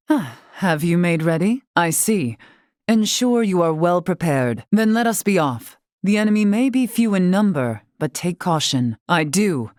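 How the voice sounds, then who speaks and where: Brief: dignified older female tribal chief in a fantasy game. Low register, stately old-fashioned phrasing, dry studio sound. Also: darkish tone, no echo. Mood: resolute. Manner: formal, archaic, measured, stately diction. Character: dignified older woman, wise tribal leader and warrior. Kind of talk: scripted video game voice acting.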